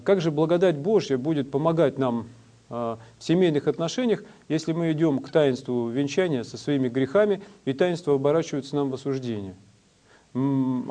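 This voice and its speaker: A man preaching a sermon in a measured, instructive way, with frequent hesitations. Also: fairly high pitch, dark tone.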